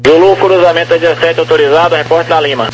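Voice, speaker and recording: A man's voice: on the high side, steady tone, fast talker, over music. A man giving procedural air traffic control instructions over aviation radio. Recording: noisy radio with mains hum.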